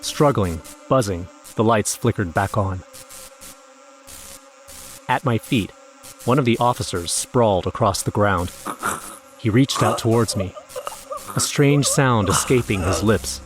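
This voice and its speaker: A man's voice: on the low side, measured pace, pauses often, close to an everyday voice, low-quality recording. A man playing a grim, shaken eyewitness, narrating a scripted first-person horror audio drama. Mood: dread. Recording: music under the voice.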